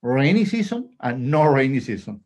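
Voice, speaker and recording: Casting: Peruvian male missionary, Spanish accent, short plain answers, mid pitch. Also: sing-song, a little mellow. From Peru. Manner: short plain sentences with pauses. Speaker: missionary guest. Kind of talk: interview answers.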